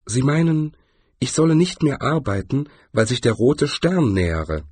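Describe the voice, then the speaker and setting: A man's voice: mid-range voice, very animated, a little slow, a little mellow, slightly rough, dry recording, voice pushed up. A man voicing a grumbling, unimpressed dwarf jeweller in a storybook, talking in a dry, matter-of-fact way. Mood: dismissive.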